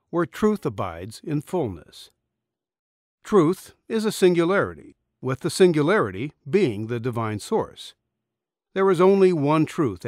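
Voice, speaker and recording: A middle-aged man reading a spiritual essay as an audiobook narrator, earnest and deliberate, close on a studio microphone in a small booth. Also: mid-range voice, a little mellow, no room sound. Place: small dim recording booth. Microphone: studio condenser microphone, close.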